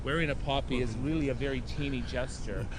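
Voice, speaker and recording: A man's voice: mid-range voice, fairly even intonation, fast. A man from Israel, a poppy volunteer in a street interview, talking earnestly and rambling with many "you know" and "I mean" asides. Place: outdoors by a street with traffic. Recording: noisy outdoor street recording.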